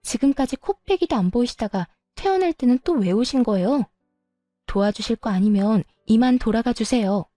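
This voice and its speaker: A woman's voice: a little high, expressive, moderate pace, warm tone, no room sound, clean studio sound, faint music behind, close to an everyday voice. A woman voicing a fed-up young sister-in-law who talks back firmly. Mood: exasperated. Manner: firm, exasperated. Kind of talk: storytelling dialogue.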